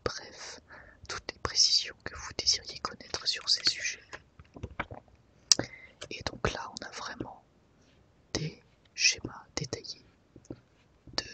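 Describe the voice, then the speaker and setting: A woman presenting an ASMR video in a soft, breathy whisper, with gentle, unhurried and careful phrasing. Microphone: microphone set slightly off to the side.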